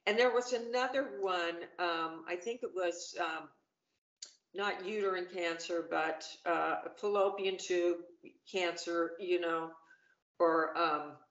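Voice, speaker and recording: Speaking slowly in a low-leaning voice, a middle-aged woman joins a casual video-call chat as a panel guest. She's upbeat and chatty, with many fillers and false starts, and the webcam audio comes across roomy and dull.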